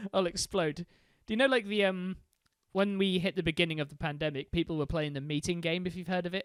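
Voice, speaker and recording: With a British accent and a high pitch, a man speaks at a very fast pace with ordinary pitch variation, in a dry, close sound with no echo. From UK. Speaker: podcast co-host and streamer. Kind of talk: casual chat.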